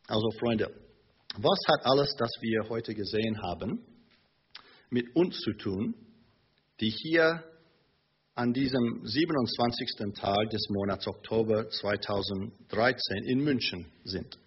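A man preaching a sermon in a church, slow and emphatic with hesitant fillers. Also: fairly low pitch, a little hiss or hum. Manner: hesitant fillers between phrases. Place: church in Munich. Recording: dull lo-fi sermon recording.

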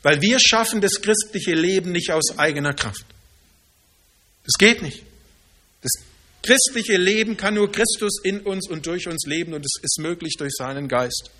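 A man preaching a sermon in earnest, slowing down to stress key phrases. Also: sits high, sharp tone.

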